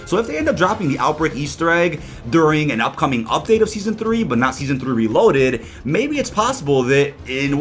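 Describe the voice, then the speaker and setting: A man's voice: mid-range voice, fairly bright tone. A man hosting a gaming news video, talking through updates in a conversational, emphatic way with rhetorical asides. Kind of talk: video game news commentary.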